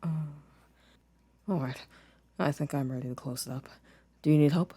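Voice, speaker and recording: In an ASMR roleplay, a young man plays a gentle, shy, affectionate boyfriend, speaking softly and hesitantly with careful phrasing. His husky mid-range voice moves at a moderate pace, and his mood is calm and modest.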